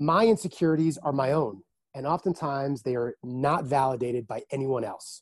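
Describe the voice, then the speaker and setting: This man has a normal speaking voice with a fairly high pitch. He talks at a moderate pace with ordinary pitch variation. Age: 40s. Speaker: coach. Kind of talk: interview.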